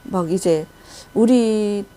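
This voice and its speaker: Mellow-voiced Korean woman preacher. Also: medium pitch, very slow. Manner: retells a vision with acted quotes and frequent restarts. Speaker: Christian intercessory prayer minister. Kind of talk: testimony-style sermon.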